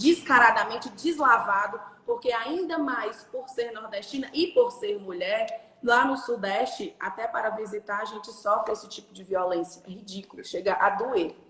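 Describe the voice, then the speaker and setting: Noticeable background noise is present throughout. Delivery is at a moderate pace with lively intonation. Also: woman. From Brazil, Ceará (Serra da Ibiapaba). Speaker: lawyer. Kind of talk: live stream talk.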